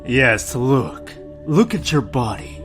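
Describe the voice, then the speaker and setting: Guy doing a sinister cult elder, slow menacing chant-like speech, radio drama, music underneath. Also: medium pitch, very animated, a bit bright. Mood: solemn, grandiose. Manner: solemn, incantatory, menacing. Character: sinister male elder of a secret owl cult, grandiose.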